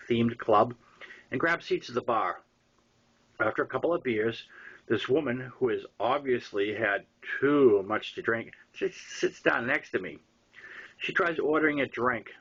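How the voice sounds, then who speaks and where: A man with a Boston accent reading his own story aloud in an informal way, with halting, emphatic repeats and wry asides. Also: mid-range voice, pushed and bright, husky. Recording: dull lo-fi audio.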